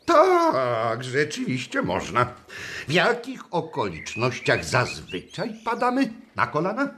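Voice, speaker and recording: An actor playing a pompous, strict and pedantic schoolteacher in a radio drama, lecturing callously. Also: male voice, mid-range voice, wildly swooping pitch, takes it slowly, bright, forceful tone, a little hiss or hum, heavily acted. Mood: pedantic quizzing.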